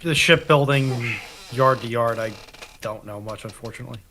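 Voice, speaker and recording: A man's voice: mid-range voice, moderate pace. A man chatting casually as a secondary speaker on a live talk. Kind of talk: casual chat. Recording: clearly noisy line with clicks.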